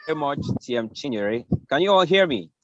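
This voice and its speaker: A man's voice: a little high, sing-song, fairly quick, a bit bright, dry recording, lo-fi sound. A man hosting an online club meeting as toastmaster of the day, introducing the evaluators with light remarks. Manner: introduces speakers with light remarks, checks if heard.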